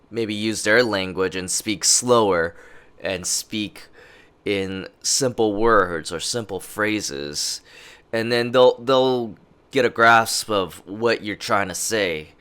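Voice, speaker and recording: A man vlogging casual advice in a slow, halting way, with many fillers and restarts. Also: fairly low pitch, a bit bright, clean tone. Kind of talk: casual talking-head advice. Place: lives in Japan. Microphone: interview microphone.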